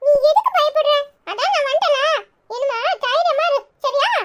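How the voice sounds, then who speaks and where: A woman's voice: very high voice, lively intonation, normal speed. A woman voicing a chatty, bossy little boy in a cartoon, with a Tirunelveli Tamil accent. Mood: chirpy. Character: chirpy cheeky little boy. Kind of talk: cartoon voice acting. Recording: clear background noise.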